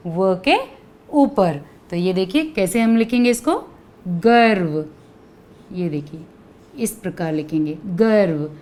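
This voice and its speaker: Patient woman teaching kids slowly. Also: lowish voice, expressive, darkish tone. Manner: patient, repeats words slowly for children. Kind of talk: children's grammar lesson.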